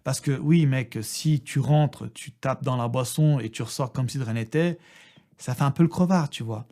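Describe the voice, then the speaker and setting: A man's voice: mid-range voice, normal speed. A young man from France telling a crude, slangy comic story about a trip, full of swearing and laughing asides. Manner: slangy, vulgar, animated, often laughing. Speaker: vlogger.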